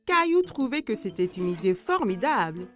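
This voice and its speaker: A woman reading scripted narration for a children's cartoon in a clearly phrased storytelling manner. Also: mid-range voice, big pitch swings, moderate pace. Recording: music behind the voice. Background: background music.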